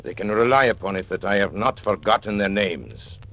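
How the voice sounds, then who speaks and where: An actor playing a sinister agent who narrates and taunts powerful men in theatrical 1940s radio acting. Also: male voice, fairly low pitch, lively intonation, normal speed, a bit bright. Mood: menacing. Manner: menacing, mocking, theatrical. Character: sinister male confidential agent turned blackmailer.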